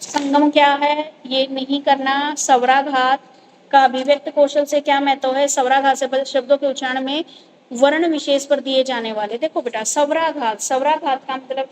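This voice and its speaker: A woman's voice: sits high, fairly even intonation, normal speed, slight background noise, low-quality recording. A woman teacher explaining grammar to students, going over each point patiently and checking that they follow.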